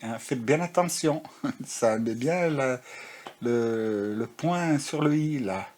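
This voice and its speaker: A man's voice: mid-range voice, takes it slowly, darkish tone. A man giving a casual spiritual tarot reading, rambling, with many fillers and restarts. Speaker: tarot card reader. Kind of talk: casual spiritual guidance talk.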